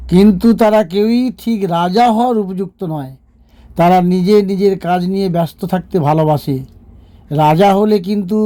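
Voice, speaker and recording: A man playing a thoughtful, fair-minded king in a cartoon storybook tale, explaining himself in a measured, reasoning way. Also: high-pitched, mellow, natural voice.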